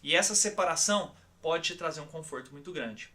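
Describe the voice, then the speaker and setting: Bright-voiced Brazilian man teaching calmly. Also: fairly high pitch, fairly quick. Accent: Brazilian Portuguese. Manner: calm, guiding, often checks in with listeners. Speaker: course instructor. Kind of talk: recorded online course lesson.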